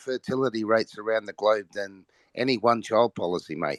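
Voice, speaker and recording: With a dry, close sound and no echo, a man talks at a moderate pace in an Australian accent. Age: 50s. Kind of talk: casual chat.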